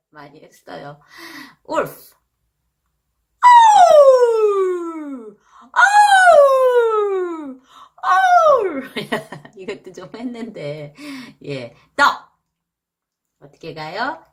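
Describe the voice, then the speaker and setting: A Korean woman teaching English vocabulary in a casual video lesson, jumping high to imitate animal sounds. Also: expressive, drawn-out words, pushed and bright.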